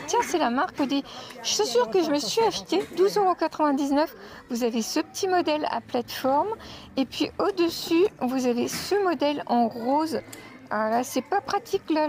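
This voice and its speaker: A woman's voice: high voice, darkish tone. A woman filming a casual shopping walkthrough in a discount store, chatting to her viewers with many fillers and friendly asides. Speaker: shopping vlogger.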